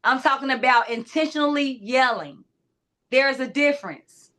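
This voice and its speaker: Speaking at a moderate pace, a clarity coach with a naturally loud, high voice addresses her listeners directly. Her motivational talk is casual and emphatic, sprinkled with asides.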